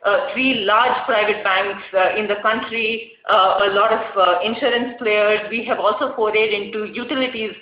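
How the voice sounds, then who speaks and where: A woman's voice: medium pitch, steady tone, normal speed, hardly any pauses. A woman executive with an Indian accent gives remarks on an earnings call, her voice slightly muffled as she speaks through a face mask. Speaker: company executive. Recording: dull, echoey conference call line.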